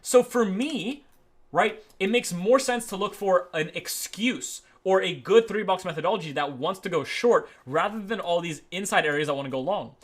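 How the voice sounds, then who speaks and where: A man teaching trading as he walks through charts on his screen, tagging his points with "right?" and moving between quick and slow stretches. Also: high-pitched. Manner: repeats "right?" as a tag, talks through live charts; uneven pace, speeds up and slows down. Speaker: trading educator. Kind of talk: screen-share chart walkthrough.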